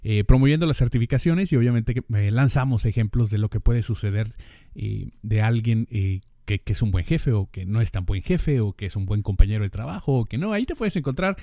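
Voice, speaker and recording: A man with a northern Mexican Spanish accent hosts a podcast as a casual monologue, talking straight to the listener and acting out little dialogues. His voice is fairly low and mellow, with lively intonation and a slightly fast pace. The recording is studio quality with no room sound.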